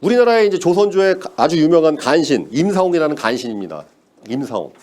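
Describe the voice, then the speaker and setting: A man's voice: on the high side, very animated, fast, a little mellow. A man giving a motivational sales lecture, emphatic, repeating key words and asking the audience rhetorical questions.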